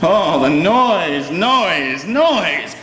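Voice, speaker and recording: A man reads a storybook aloud in a theatrical style, his fairly high voice swooping widely. Words get stretched for emphasis. The sound is very echoey, with music playing behind him. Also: sing-song, very slow, sharp tone. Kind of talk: dramatic storybook reading.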